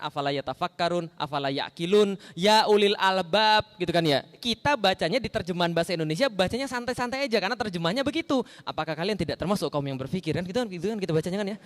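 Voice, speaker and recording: A man preaching an Islamic sermon in a conversational way, asking the audience rhetorical questions and acting out the lines he quotes. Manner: acts out quoted lines with sharp rises in pitch and volume. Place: large hall. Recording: long hall reverb.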